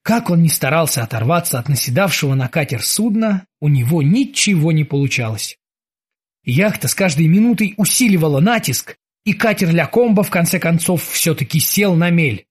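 A man narrating an audiobook in a lively, vivid reading. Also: a little high, normal speed, breathy edge.

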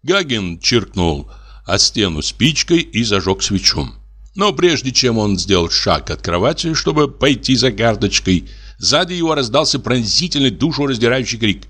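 Male audiobook narrator, expressive, lively pitch, bright voice. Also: moderate pace. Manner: expressive storytelling.

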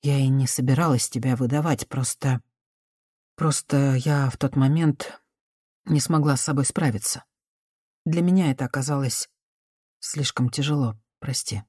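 A woman reading an audiobook voices a gentle, cautious woman speaking softly and trying to calm someone down. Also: extremely low pitch, moderate pace, long pauses, slightly rough, dry recording, clean studio sound. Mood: remorseful. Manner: soft, conciliatory, hushed.

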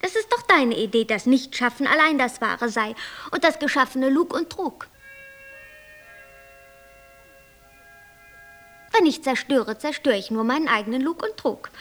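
An actress playing a capricious, self-absorbed white angel who creates worlds, airy, flippant and lecturing, in a German radio play. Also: female voice, a little high, lively intonation, a little fast, a bit bright. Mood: flippant, cold.

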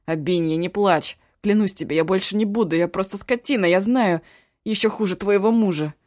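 A woman voicing a sly, clownish young man who pleads loudly and theatrically. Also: deep voice, steady tone, moderate pace, no room sound, clean studio sound. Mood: loud pleading. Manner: wheedling, loud and theatrical.

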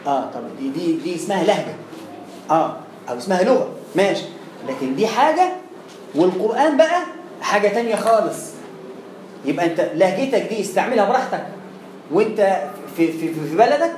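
A man's voice: high voice, expressive, fast talker, pauses often, a little mellow. A man with an Egyptian Arabic accent teaching Quran recitation in a chatty way, repeating words and sounding out letters. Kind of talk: explanatory lesson. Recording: roomy echo, faint background noise.

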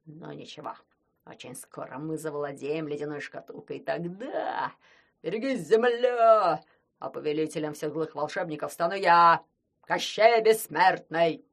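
A man's voice: fairly high pitch, a little slow, vocal fry, a bit bright, full character voice. A man voicing a greedy, cowardly immortal sorcerer who grumbles and threatens. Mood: scheming. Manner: grumbling, menacing.

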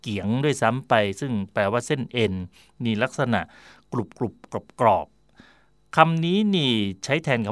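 A man hosting a radio talk slot, chatting in a digressive way about where words come from, with fillers and quick self-corrections. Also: mid-range voice, dry recording, clean studio sound. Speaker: radio host. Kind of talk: explaining word origins in casual talk.

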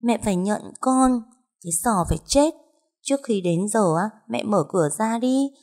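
A creepy ghost child who wheedles in a high, whispery little voice, put on by a woman narrating the tale. The voice is thin and clingy, with a quiet menace under the sweetness. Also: moderate pace, natural voice. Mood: eerie, clingy.

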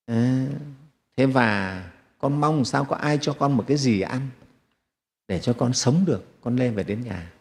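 A man's voice: medium pitch, measured pace, lightly acted. A man telling as a weary ruined son. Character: exhausted young man back from ruin. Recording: long hall reverb.

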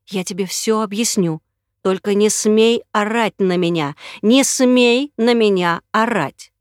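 A woman's voice: mid-range voice, animated, a little slow, no echo, studio quality. A woman voicing a grown man who asks urgent, anxious questions and turns menacing.

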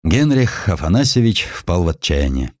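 A man narrating a historical sketch as an audiobook, telling it expressively and slowing down for quoted lines. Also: dry recording, studio quality. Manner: expressive storytelling, voices quotes with shifts of pitch and slowing down.

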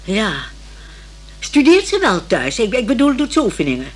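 A woman's voice: fairly high pitch, wildly swooping pitch, moderate pace, breathy edge, heavily acted. A woman playing a chatty, old-fashioned older lady in a radio play, rambling hesitantly and romantically about young people. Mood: musing, hesitant. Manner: hesitant, rambling, sighing over modern youth. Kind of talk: naturalistic radio play dialogue.

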